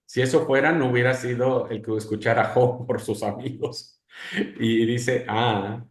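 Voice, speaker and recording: A man teaching a Bible class, telling stories with sudden swings from loud to soft. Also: medium pitch, fairly even intonation, a little slow. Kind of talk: class discussion. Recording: echoey room.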